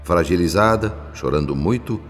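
An actor playing a solemn, compassionate spirit who narrates a Brazilian radio drama in a grave, measured, literary manner. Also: male voice, deep voice, lively intonation, faint music behind. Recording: long reverberant hall effect.

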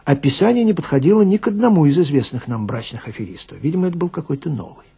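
A man playing a chatty, grumbling police detective who tells his story wryly and confidingly, with dramatic pauses, in a radio reading with a gravelly, husky voice. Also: a little high, expressive, mellow, full character voice. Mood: matter-of-fact.

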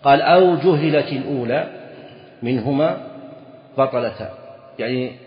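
A male scholar giving a classroom lesson on a legal text, reading a passage, then unpacking it while repeating key phrases. His voice sits at an ordinary middle pitch. The recording is dull and lo-fi, with the long echo of a large hall. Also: moderate pace. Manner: asks the students questions and answers them himself. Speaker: Islamic scholar teaching a fiqh text.

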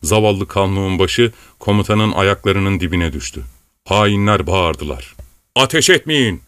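A man reading a classic novel aloud as an audiobook narrator in a measured, even storytelling manner. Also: low voice, smooth, dry recording. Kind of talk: scripted narration.

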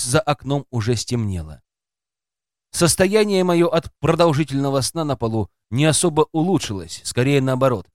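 A man's voice: medium pitch, no echo, clean studio sound. A man reading an audiobook aloud as scripted first-person narration, expressively voicing a woman narrator's inner thoughts.

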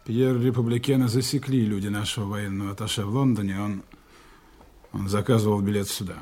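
An actor playing a smooth, authoritative German agent giving orders to his team in a radio play, speaking in calm, clipped tones. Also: fairly low pitch, brisk, soft background music, lightly acted. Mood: commanding. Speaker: intelligence operative commanding a team.

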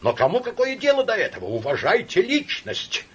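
A man voicing a young male official who is hysterical and indignant, in shrill shouting outbursts. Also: big pitch swings, normal speed, vocal fry, husky, muffled recording, exaggerated voice.

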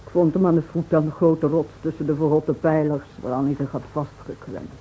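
An actress playing a grieving, reproachful village woman in a Dutch radio drama, speaking with halting solemnity. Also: low-pitched, steady tone, lightly acted. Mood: grieving, accusing. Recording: dull, faintly noisy old radio recording.

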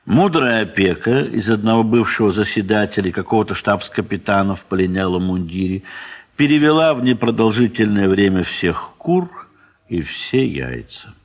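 A man narrating a literary audio play in an expressive, measured theatrical manner with deliberate pauses. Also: lowish voice. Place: recording studio.

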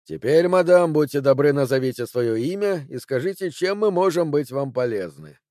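A man's voice: a little high, expressive, normal speed, a little mellow, no room sound, studio quality, natural voice. Holmes, a man doing a confident detective. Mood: assured. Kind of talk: audiobook character voice.

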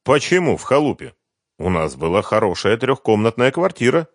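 A man's voice: mid-range voice, very animated, normal speed, no echo, clean studio sound, voice pushed up. A male audiobook reader voicing a stern, firm ex-husband who answers curtly. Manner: firm, curt. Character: stern wealthy man, firm and cold. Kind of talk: audiobook character voice.

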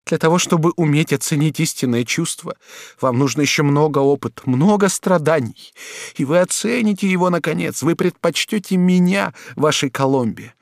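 A man's voice: fairly high pitch, normal speed, dry recording, clean studio sound, pitched above the performer's own voice, natural voice. A man reading an audiobook, voicing an ardent, jealous duchess who pleads for a young man's love. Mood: cold anger. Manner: pleading, then threatening. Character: passionate jealous duchess, the king's favourite.

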